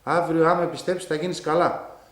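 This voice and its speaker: Fatherly old priest-saint, soft and calm, as a man quotes him, high-set voice, roomy echo. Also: close to an everyday voice. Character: gentle, stern old male priest-saint.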